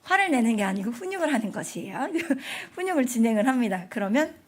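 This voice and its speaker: A young woman gives a lively storytelling sermon to families, jumping in and out of the small voices of children she describes. Her voice sits a little high and bright. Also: fast talker. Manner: animated, acts out children's voices. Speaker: preacher at family prayer service.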